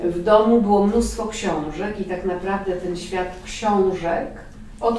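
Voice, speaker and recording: Light background noise and audible room echo accompany a woman with a fairly low pitch speaking at a very slow pace. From Poland, Warsaw. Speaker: writer. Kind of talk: talk to young audience. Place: meeting room. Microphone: camera far.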